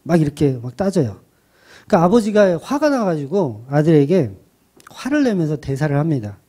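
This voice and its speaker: A male pastor giving a sermon, retelling a film in an animated, conversational way. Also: fairly high pitch, moderate pace.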